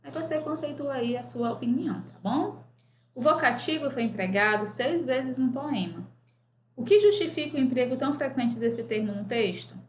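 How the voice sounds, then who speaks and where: A woman's voice: high voice, lively intonation, normal speed. A woman teacher correcting grammar exercises for a class, reading questions aloud and often checking in with "né?". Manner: reads exercises aloud, asks the class, frequent "né?". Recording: echoey room with faint ambient noise.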